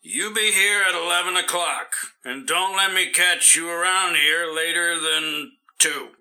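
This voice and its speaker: An actor playing a brisk, commanding male doctor and boss in an old-time radio drama, hearty and quick to laugh. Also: fairly high pitch, vocal fry, sharp tone, heavily acted, low-quality recording. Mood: firm friendly.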